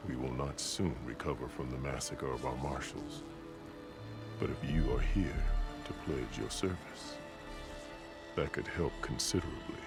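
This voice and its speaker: A stern tribal leader in a dramatic game scene. His voice sits very low, and he delivers formal, weighty declarations with proud authority. Prominent music plays behind him. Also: measured pace. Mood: measured, appraising. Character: stern, commanding male tribal chief, grave and proud. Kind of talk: dramatic video game cutscene acting.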